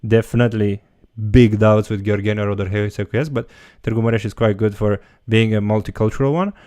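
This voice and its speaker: A man's voice: lowish voice, fairly even intonation, a little fast, darkish tone, smooth, no room sound. A man teaching a language, answering viewer questions in a casual livestream and thinking aloud as he goes. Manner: loose, talks while thinking aloud.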